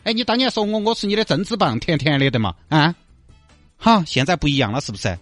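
A man's voice: a little high, expressive, fast, a bit bright, no room sound, faint music behind, voice pushed up. A man voicing a hysterical young woman, a melodramatic girlfriend with a Sichuanese accent who complains in a whiny, theatrical way.

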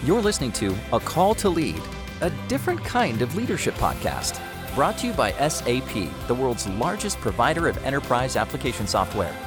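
A man's voice: mid-range voice, sing-song, brisk, music in the background. A man reading the scripted announcement that opens a podcast.

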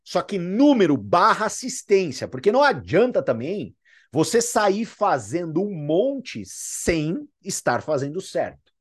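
A man's voice: high-pitched, big pitch swings, measured pace, slightly rough. A man with a Brazilian accent giving an emphatic, repetitive motivational training talk as a sales mentor to his affiliates. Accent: Brazilian Portuguese.

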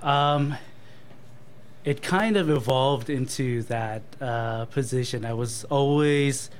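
A man's voice: mid-range voice, slow pace, a little hiss or hum. A man being interviewed as a company guest, thoughtful and hesitant, filling his answers with ums and uhs. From born in Thailand to Cambodian parents, raised in Canada. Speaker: marketing manager and guest.

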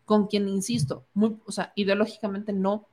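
A woman's voice: mid-range voice, little pitch movement, normal speed, a little mellow. A woman with a Mexican accent giving opinionated political commentary, indignant and sarcastic, mocking the people she quotes.

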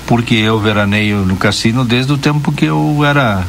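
A man's voice: medium pitch, steady tone, moderate pace, gravelly, slight background noise. A man in his fifties from Rio de Janeiro who has long lived in southern Brazil, telling rambling nostalgic anecdotes in a casual radio chat. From Rio de Janeiro, Brazil, living in Rio Grande do Sul.

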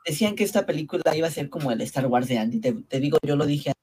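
A man's voice: fairly high pitch, animated, fast, a little mellow, breathy edge. A man with a Mexican accent in a casual podcast chat, rambling and tagging his phrases with little questions. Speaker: podcast panelist.

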